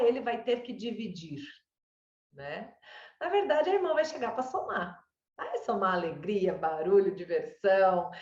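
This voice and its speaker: A woman's voice: mid-range voice, dull audio. Brazilian woman advising a parent, distant roomy mic. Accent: Brazilian Portuguese. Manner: warm explanatory, lots of "né?" and "sabe?". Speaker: child development consultant. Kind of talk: advice session with a parent.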